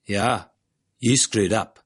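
A man's voice: lowish voice, slow pace, breathy edge. A man voicing a blunt, short South African doorman in a clipped South African accent.

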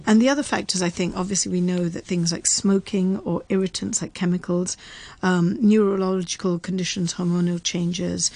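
A woman's voice: on the low side, fairly even intonation, moderate pace, dark tone. A woman in casual chat, explaining facts as a radio presenter and laughing often. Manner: chatty, reads facts aloud, laughs often.

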